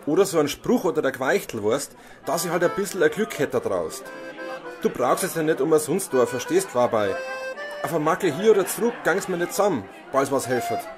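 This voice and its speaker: A man's voice: a little high, expressive, fairly quick, over music, lightly acted. An actor playing a young Bavarian village reservist in a dialect audiobook drama, coaxing and familiar as he begs for luck. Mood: wheedling.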